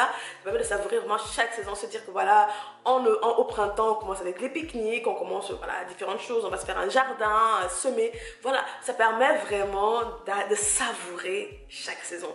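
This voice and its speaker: Her voice medium in pitch and a bit bright, a woman from Cameroon now based in France chats casually on her solo podcast, addressing the listener and giving encouraging advice. She talks conversationally but hesitates while searching for words, and the sound is roomy.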